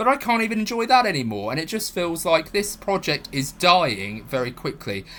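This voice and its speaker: A man with an English accent speaks loudly at a moderate pace, with a bright, sharp tone. His voice shows vocal fry and very wide pitch swings. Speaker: film reviewer. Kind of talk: rant. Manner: halting.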